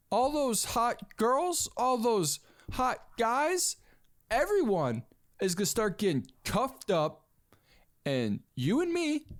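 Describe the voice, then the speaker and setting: A man in his twenties hosting a casual solo podcast, rambling and calling everyone "dude". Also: very high voice. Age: 20s. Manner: rambling, animated, says "dude" a lot. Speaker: podcast host.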